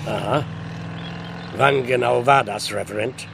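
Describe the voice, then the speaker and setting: An actor playing a weary, plain-spoken older village constable in a radio play, grumbling in a gravelly voice. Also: male voice, mid-range voice, unhurried, background noise. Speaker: actor in audio drama. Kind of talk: German radio play acting.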